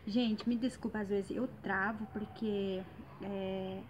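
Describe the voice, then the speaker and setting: A woman whose first language is Guarani, with a Guarani accent, teaching phrases in a casual online lesson, slowly repeating each phrase with frequent hesitations. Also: medium pitch, steady tone, muffled recording, slight background noise.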